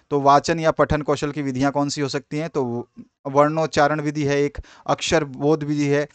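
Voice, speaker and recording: A man teaching an exam revision lesson. He explains each point step by step, often repeats key points and pauses with fillers. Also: mid-range voice, no echo.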